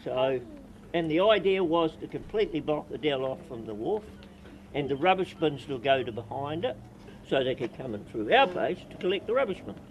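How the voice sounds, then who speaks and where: A man's voice: fairly high pitch, muffled recording, a little hiss or hum. A man who is a local landlord, speaking off the cuff in a blunt, aggrieved manner, recorded outdoors. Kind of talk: spontaneous public remarks and interview answers. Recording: outdoor recording with crowd chatter. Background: crowd outdoors.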